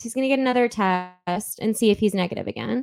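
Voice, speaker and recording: Loud speech with an animated tone. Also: woman. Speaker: dating podcast host. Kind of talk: casual chat. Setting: live-streamed podcast recording.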